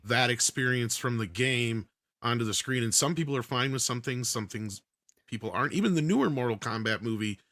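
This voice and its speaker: A man's voice: medium pitch, a little fast, fairly bright tone, no room sound. A man giving casual, opinionated commentary on movies in a panel discussion, talking at length as he argues his point. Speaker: panelist on an entertainment news talk show.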